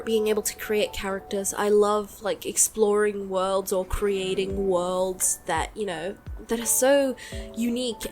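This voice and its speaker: A woman who is sick, chatting informally and enthusiastically in a rambling, halting way, as if on a solo podcast. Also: mid-range voice. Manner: hesitant, halting, rambling delivery; informal, enthusiastic, mild swearing. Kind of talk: casual rambling chat.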